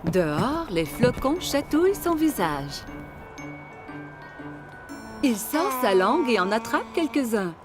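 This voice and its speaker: A woman narrates a children's story in an expressive, clear way, as scripted cartoon narration. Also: fairly high pitch, slow pace, pauses often. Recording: background music under the voice. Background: children's cartoon music.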